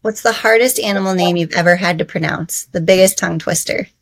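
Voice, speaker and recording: A woman's voice: fairly low pitch, brisk, a little hiss or hum. A woman hosting a podcast, asking teasing, playful questions in casual chat. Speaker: podcast host.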